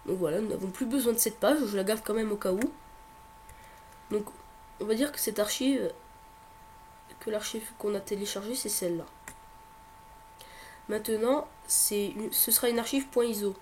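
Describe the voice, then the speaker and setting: A man with a cold giving a hesitant, step-by-step tech tutorial, often pausing and repeating himself. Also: high voice, a little mellow, a little hiss or hum. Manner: hesitant, filler-heavy, repeats words. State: has a cold. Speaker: tutorial presenter. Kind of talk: screen-recording tech tutorial.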